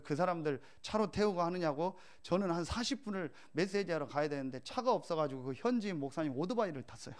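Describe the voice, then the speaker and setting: High-voiced Korean pastor preaching. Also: male voice. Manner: storytelling, rises to loud emphatic rhetorical questions. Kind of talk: sermon.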